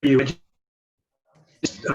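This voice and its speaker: A man joining an online class over a video call, his words coming through in halting fragments as the connection breaks up. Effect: choppy connection breaking up. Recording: dull lo-fi call audio.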